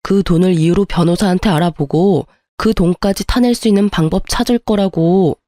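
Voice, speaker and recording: A woman's voice: on the low side, normal speed, warm tone, no echo, clean studio sound, close to an everyday voice. A woman voicing a bitter, greedy ex-husband in a story reading, with an accusing, defensive way of talking. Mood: indignant. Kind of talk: storybook narration with acted dialogue.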